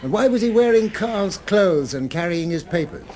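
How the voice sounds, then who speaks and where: An actor in a radio drama playing a courteous, solicitous but sceptical gentleman with a polite, inquisitive manner. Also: sits high, animated, normal speed, a little hiss or hum. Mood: puzzled, probing.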